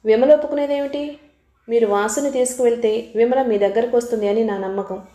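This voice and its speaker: Woman voicing a calm, persuasive peacemaker. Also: a little high, fairly quick, echoey room, natural voice. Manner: gentle and persuasive. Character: calm, reasonable young woman mediating.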